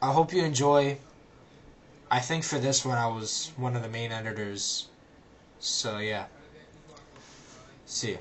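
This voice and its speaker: Pausing long and often, a man speaks fairly slowly at medium pitch with ordinary pitch variation over noticeable background noise. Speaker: student documentary maker. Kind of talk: casual chat.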